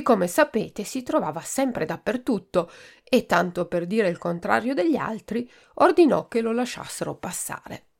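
A woman from Italy reads a children's storybook aloud with clear, expressive narration. Her voice has a mid pitch and a gravelly texture. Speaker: podcast host reading a children's book.

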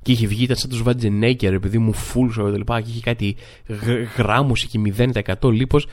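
Guy doing a chatty comic monologue, lots of filler, mimics people mid-story. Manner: animated, acts out other people's lines with jumps in pitch; chatty, full of filler phrases. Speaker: podcast host.

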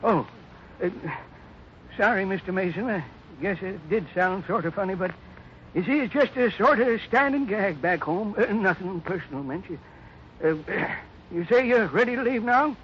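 An actor playing a polite but secretly bitter old American man in a 1950s radio drama, halting and guarded. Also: high voice, expressive. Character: polite old stranger hiding bitter thirst for revenge. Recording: muffled, hissy 1950s radio recording.

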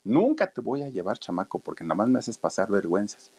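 A man's voice: fairly low pitch, big pitch swings, quick pace, dark tone, slightly rough, exaggerated voice. A man voicing a stern, fretful Mexican mother who scolds her son with a Mexican accent. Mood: scolding. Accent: Mexican Spanish. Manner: bossy, repeated no's.

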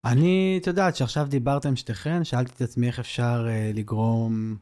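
A woman's voice: a bass voice, fairly even intonation, mellow. A woman hosting a podcast interview, asking brief friendly questions. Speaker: podcast host.

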